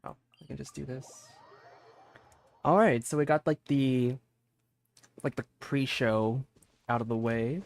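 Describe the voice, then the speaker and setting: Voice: medium pitch, measured pace, long pauses. A game streamer giving casual live commentary while playing.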